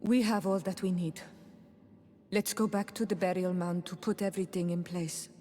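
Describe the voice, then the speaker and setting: Game role: young tribal healer woman played by an actress, lowish voice, solemn and devoted, speaks carefully. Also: steady tone, normal speed, dark tone, big-room sound, lightly acted. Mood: solemn, grateful. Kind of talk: video game voice acting.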